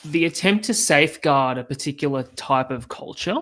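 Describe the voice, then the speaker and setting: A guest on a live stream speaking in a measured, tentative way, hedging before making points. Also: medium pitch, lively intonation, fairly bright tone. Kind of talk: conversational discussion.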